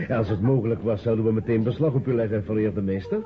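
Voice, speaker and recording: Radio drama: obsequious, polite male executive, acted, lowish, dull old recording. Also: lively intonation, fast, crowd noise, lightly acted. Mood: courteous. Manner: courteous, mildly obsequious. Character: polite, flattering broadcasting executive at a party. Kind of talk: Dutch radio play dialogue.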